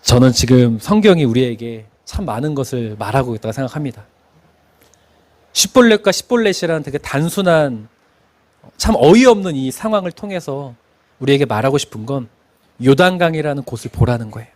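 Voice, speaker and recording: A man's voice: medium pitch, brisk. A middle-aged man from Korea's Chungcheong region preaching a sermon, telling stories and laughing as he goes. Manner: expressive preaching, sings hymn lines, laughs while telling stories. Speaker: pastor.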